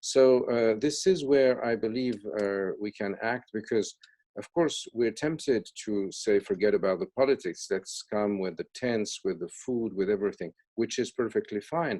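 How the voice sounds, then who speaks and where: This voice has a dark, mellow tone and a French accent, moving at a moderate pace with lively intonation. The recording is dry and close with no echo. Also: man, medium pitch for a man. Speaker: Middle East scholar, professor. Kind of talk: virtual panel discussion. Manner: hesitant, many filler words.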